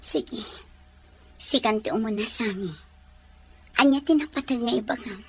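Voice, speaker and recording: An actress playing a hurt, gentle young woman in a radio drama, pleading and resigned. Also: a little high, moderate pace, husky. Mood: hesitant, sad. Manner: pleading, sorrowful.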